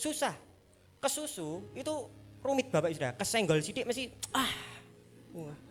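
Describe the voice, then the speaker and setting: With audible room echo, the speaker keeps a moderate pace, using very wide pitch swings and long, frequent pauses. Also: woman. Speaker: preacher. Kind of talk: sermon. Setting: church service. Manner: animated.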